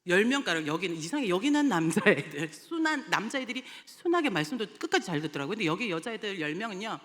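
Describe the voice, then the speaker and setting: A woman evangelist telling a lively testimony in a sermon, laughing often as she recounts stories. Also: mid-range voice, fast talker. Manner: animated storytelling, often laughing. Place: church sanctuary. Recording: long church hall reverb.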